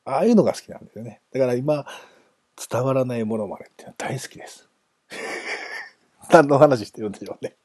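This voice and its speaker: A man's voice: medium pitch, brisk, long pauses, a little mellow, husky, no room sound. A man hosting a casual solo talk, chatty and self-amused, wandering off into asides. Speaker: podcast host.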